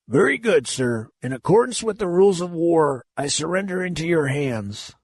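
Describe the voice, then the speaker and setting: Guy putting on a gruff old space captain, hollers high and cranky. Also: expressive, normal speed, darkish tone, no room sound. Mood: grim, defeated. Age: older. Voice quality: gruff, roaring.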